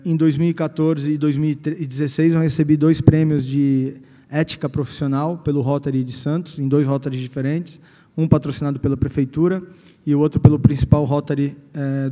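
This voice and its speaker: A man's voice: fairly high pitch, level tone, moderate pace, mellow. A middle-aged Brazilian man giving a personal career talk to an audience as a company president, hesitantly repeating words as he searches for the next one. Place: large hall at a university event. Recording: echoey hall with long reverb.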